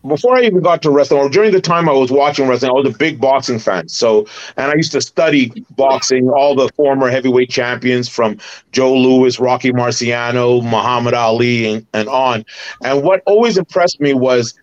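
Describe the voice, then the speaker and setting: A middle-aged man from Barbados, a former wrestler and promoter, recalling his career in an animated, detailed way as a podcast guest. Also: medium pitch, moderate pace, highs cut off. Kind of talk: casual interview storytelling.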